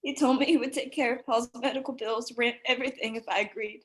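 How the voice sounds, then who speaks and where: A woman's voice: a little high, steady tone, fast talker, natural voice. A woman acting a desperate, frightened but defiant young woman at a screenplay table read, with earnest emotion. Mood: distraught, pleading.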